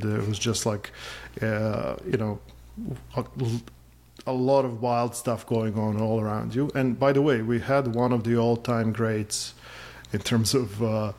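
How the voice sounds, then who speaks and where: A man's voice: on the low side, a little mellow. A man in his forties from Serbia, chatting casually as an interview guest, with lots of fillers and a self-deprecating humor.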